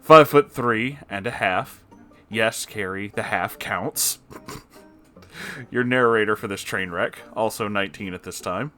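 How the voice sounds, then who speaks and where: A man's voice: fairly low pitch, unhurried, pushed and bright, soft background music. A man reading an online post aloud, breaking off now and then with disgusted reactions. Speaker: story reader.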